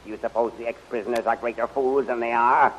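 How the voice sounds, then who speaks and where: An actor in a 1930s radio serial playing an irascible, scornful villainous general, gravelly and theatrical. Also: male voice, mid-range voice, fairly even intonation, fairly quick, muffled recording, natural voice. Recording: hissy 1930s radio recording.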